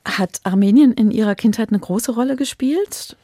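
A woman's voice: on the high side, normal speed, dark tone, no echo, clean studio sound. A woman hosting a radio interview, asking her guest questions in a curious, conversational way.

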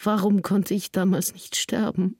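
A woman playing a grieving nineteenth-century diarist in a solemn dramatic reading, with drawn-out phrasing. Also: medium pitch, little pitch movement, a little mellow, breathy edge, no echo. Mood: grieving, desolate. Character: grieving 19th-century woman writing in her diary. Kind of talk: dramatic reading of a historical diary.

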